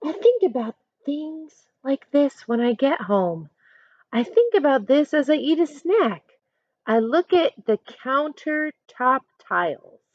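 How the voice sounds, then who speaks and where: A woman reads a children's book aloud in a high, very lively voice. She teaches as she goes, turning to her young listeners with instructive asides. The sound is close and slightly dull. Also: takes it slowly, no echo. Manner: expressive, instructive, addresses young listeners directly. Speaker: teacher reading a picture book aloud to pupils.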